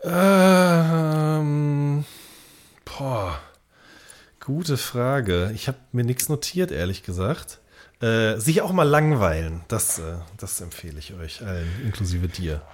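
A man with a mid-pitched voice talks casually as a podcast co-host. He speaks hesitantly, feeling his way toward each phrase and often circling back to find the right word. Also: expressive, slow pace. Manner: hesitant, searching for words. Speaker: music journalist. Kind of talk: casual chat.

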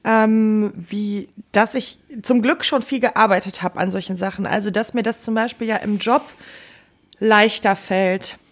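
A woman co-hosting a podcast, speaking in a thoughtful, measured way. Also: mid-range voice, steady tone. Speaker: podcast co-host. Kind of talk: casual chat.

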